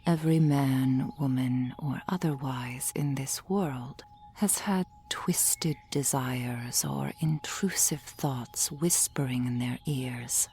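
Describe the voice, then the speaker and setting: A woman playing a gentle, reassuring soul healer in an ASMR roleplay, speaking in a soft, formal whisper. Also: a bass voice, slow, a little hiss or hum, heavily acted. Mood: soothing whisper.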